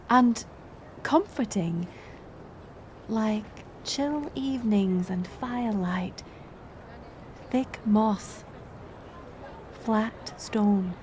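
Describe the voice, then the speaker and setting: Slow-speaking woman acting a curious old-time village woman. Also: mid-range voice, a little mellow, slight background noise. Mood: hushed, tender. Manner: archaic thee-and-thou speech, slow and musing. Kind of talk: romantic audio roleplay acting addressed to the listener.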